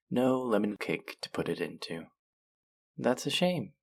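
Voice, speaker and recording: A man acts out a male faerie trickster for an intimate audio drama, with a low, gravelly voice that swings widely in pitch. He is smug and playfully stern, drawing out his words as he teases and scolds like someone firmly in charge. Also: full character voice. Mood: playful teasing. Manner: teasing, drawn-out, mock-scolding, sultry.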